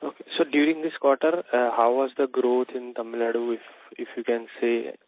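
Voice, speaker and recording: A man's voice: mid-range voice, level tone, a little fast. A man with an Indian accent putting questions as an analyst on a conference call. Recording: dry, narrow phone line.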